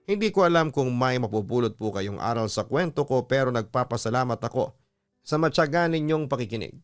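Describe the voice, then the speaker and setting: A man's voice: medium pitch, animated, a little fast, dry recording. A man with a Filipino accent hosting a storytelling show, reading and advising in an earnest, exhorting manner. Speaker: storytelling show host and narrator. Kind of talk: reading a listener's letter and giving earnest advice. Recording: music playing behind a dry voice. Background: background music.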